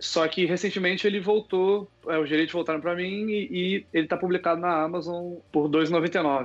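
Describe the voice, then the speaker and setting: A high-pitched man with fairly even intonation against a quiet background. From Rio de Janeiro, Brazil. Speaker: fiction writer. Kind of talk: interview. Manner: halting, many fillers.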